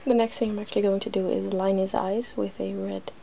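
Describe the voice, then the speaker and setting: Soft-spoken woman with a mellow, creaky voice. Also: medium pitch, flat delivery, fairly quick, slight background noise. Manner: hushed, drifting into whispers. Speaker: ASMR video host. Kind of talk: soft-spoken ASMR makeup demonstration.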